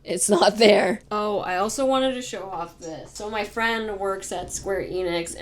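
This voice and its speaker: A young woman vlogging casually to camera, soft-spoken and chatty, her voice worn and fading from talking all day. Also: mid-range voice, slight background noise. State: tired, fading voice. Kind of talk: casual vlog talk.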